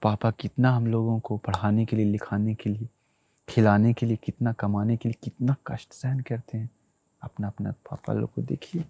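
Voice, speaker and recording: Low mellow-voiced man giving a sermon. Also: level tone, moderate pace, gravelly. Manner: repetitive storytelling, addresses listeners directly. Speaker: Buddhist monk preacher.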